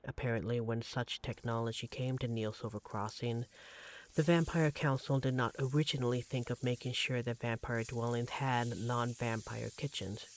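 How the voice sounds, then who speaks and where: A man playing an affectionate, devoted vampire partner in a roleplay audio drama, speaking in a tender, gently teasing, conversational way. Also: medium pitch, little pitch movement, moderate pace, natural voice. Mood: teasing, amused. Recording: clearly audible background noise, sizzling kitchen effects.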